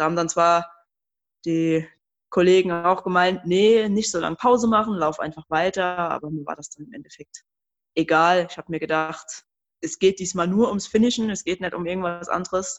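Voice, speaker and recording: A woman with a fairly low pitch speaks at a moderate pace with ordinary pitch variation. Her loudness swings widely. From Germany, Rhineland-Palatinate. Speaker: obstacle course racer. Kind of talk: casual interview.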